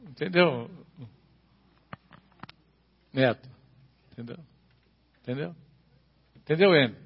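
A man's voice: high voice, creaky, highs cut off. A man preaching a sermon as pastor, asking his listeners the same questions again and again. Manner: preaching with repeated rhetorical questions.

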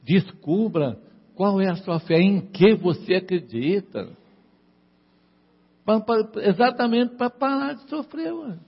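A man's voice: high-pitched, animated, slow pace, vocal fry, slightly rough, big-room sound, dull audio. A man preaching a sermon in a church. He repeats his lines for emphasis and keeps asking the congregation "amen?". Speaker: pastor.

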